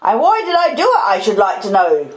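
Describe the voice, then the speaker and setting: Woman playing a shouty bullying older sister, high raised pitch, indignant scolding, storybook villainess, echoey room. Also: very animated, moderate pace, lightly acted.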